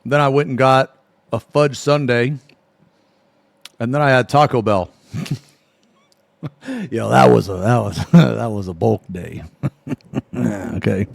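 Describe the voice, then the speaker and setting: A man in his late thirties chatting casually on a live stream, reading viewer messages, laughing often and trailing off with a drawn-out "man". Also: medium pitch, vocal fry, no room sound. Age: 30s.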